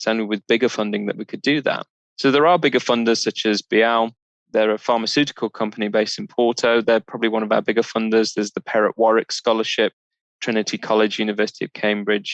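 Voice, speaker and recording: A man with a British accent at a very fast pace, medium in pitch with fairly even intonation, in a dry, close sound with no echo against a quiet background. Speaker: parapsychologist. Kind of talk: interview.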